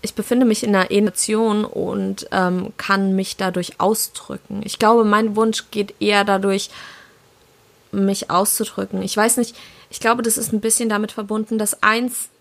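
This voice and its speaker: A young adult woman from southwestern Germany, co-hosting a podcast in casual chat, reflective and often halting as she searches for words. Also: medium pitch, little pitch movement, gravelly, dry recording. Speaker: podcast co-host.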